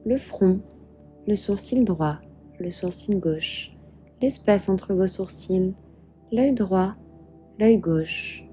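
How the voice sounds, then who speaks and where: A woman with a very soft, dark, relaxed voice leads a guided meditation over background music. She speaks slowly and soothingly, giving each instruction in a calm, measured way at a medium pitch.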